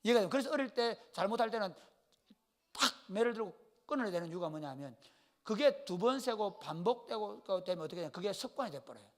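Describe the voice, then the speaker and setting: A man's voice: high-pitched, fairly quick. A man preaching a sermon with a Gyeongsang Korean accent, telling stories in a casual, joking way and calling on listeners by name. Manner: lively storytelling, calls on listeners by name; colloquial, jokes with the congregation. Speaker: pastor.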